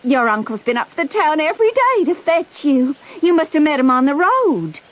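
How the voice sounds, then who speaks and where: A woman's voice: high voice, very animated, normal speed. A woman playing an affectionate, bossy farm aunt with an American Southern accent, folksy and exclamatory, in an old radio drama. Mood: joyful, fussing. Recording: dull old radio recording.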